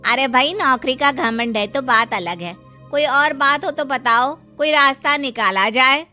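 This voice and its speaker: A woman voicing a meddling, pushy middle-aged aunt in an animated story. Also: high voice, unhurried, faint music behind. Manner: pushy, busybody.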